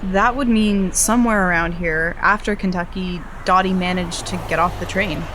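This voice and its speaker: A woman's voice: on the low side, steady tone, moderate pace, a bit bright, slight background noise, natural voice. An actress playing a dry, skeptical woman investigator in a naturalistic audio drama, speaking in a wry, clipped way. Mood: wry, intent.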